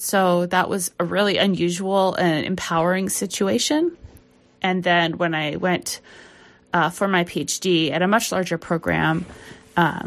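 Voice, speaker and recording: A woman talks at a moderate pace with a fairly low pitch. Vocal fry runs through her voice. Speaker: math professor. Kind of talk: interview conversation.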